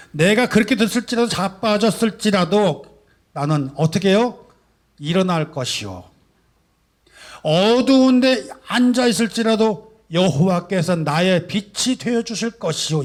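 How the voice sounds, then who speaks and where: A male pastor preaching a sermon, asking rhetorical questions and swinging between soft and loud emphasis. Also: high voice. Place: church sanctuary.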